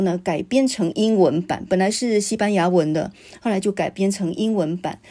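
She speaks in a relaxed tone with lively intonation. Her voice is dark and mellow. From Taiwan, Tainan. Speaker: literary critic and channel host. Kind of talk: solo talk on films, books and memories. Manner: relaxed, chatty with many filler particles.

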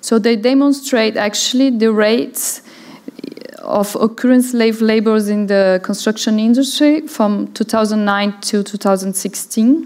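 A woman in a Portuguese accent, fairly high in pitch, at a fairly slow pace with ordinary pitch variation and very even loudness. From Brazil. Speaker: architect and curator; speaker. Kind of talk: conference talk. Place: hall.

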